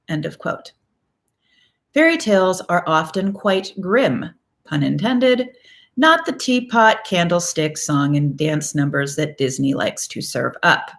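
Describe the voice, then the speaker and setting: A woman psychologist delivering a scripted educational talk in a wry, emphatic manner with deliberate phrasing. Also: on the low side. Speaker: psychologist host.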